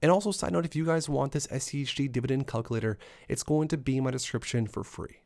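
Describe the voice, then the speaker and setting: Man, thirties, investing channel host, fast-paced, gravelly, brisk upbeat explaining. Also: medium pitch, a little mellow. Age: 30s. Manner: brisk, upbeat run-on explaining with lots of lists and asides. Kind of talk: solo finance talk to camera.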